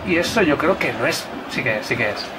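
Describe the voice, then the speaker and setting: Hombre joven comentando su partida, muy animado. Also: male voice, mid-range voice, brisk, noisy background. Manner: excitable, shouts at goals and near misses. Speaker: gaming youtuber. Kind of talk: excited gameplay commentary.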